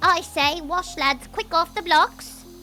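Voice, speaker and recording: A put-on character voice speaks at a fairly slow pace over clear music in the background. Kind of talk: gruff, casual.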